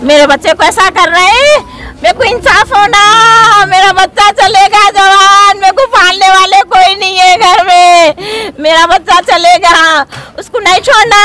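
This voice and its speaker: A woman's voice: extremely high pitch, fairly bright tone. A middle-aged grieving mother, pleading and crying out for justice in a street statement.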